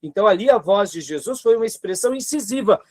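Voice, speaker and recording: An expressive, high-pitched man talks fast as he teaches seminary students, his Brazilian Portuguese accent clear. The lecture is earnest and exhorting, full of rhetorical questions and frequent tag questions that check in with the class.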